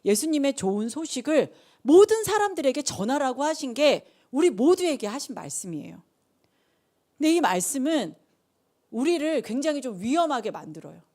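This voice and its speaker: A middle-aged woman preaches in a relaxed, conversational way, her fairly high voice swooping up and down as she tells the story. She keeps the sermon informal and full of animated asides. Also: normal speed.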